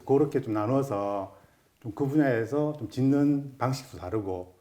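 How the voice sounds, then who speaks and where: A man's voice: mid-range voice, normal speed, mellow. A middle-aged man, a master carpenter, explaining in an interview with many filler words.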